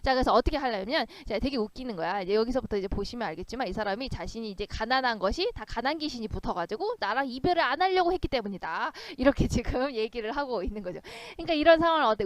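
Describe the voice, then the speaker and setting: A woman teacher explaining a poem in a chatty lecture, often asking the students questions. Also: a little high.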